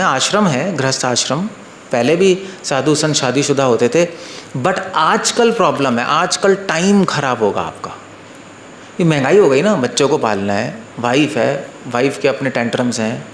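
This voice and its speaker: Monk giving an informal talk in an echoey room. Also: male voice, a little hiss or hum. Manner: conversational, asks listeners questions, mixes in English words; acts out quoted voices in a lower, softer tone. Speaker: monk and spiritual teacher. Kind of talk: informal Hindi discourse to a live audience.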